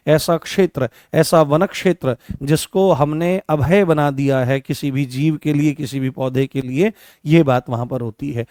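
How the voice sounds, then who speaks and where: A man teaching an online coaching class in a slightly high voice. He says the key terms again and again as he writes them out, and poses questions that he answers himself. The sound is dry and close, with no room echo. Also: darkish tone. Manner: repeats key phrases many times while writing on a board.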